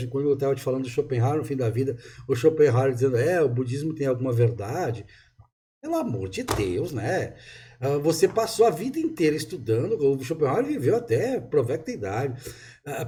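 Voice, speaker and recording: A man from southern Brazil with a gaúcho accent, an author being interviewed, speaks in a casual conversation, rambling and emphatic with many restarts. His voice is medium-pitched, a little mellow, with a breathy edge.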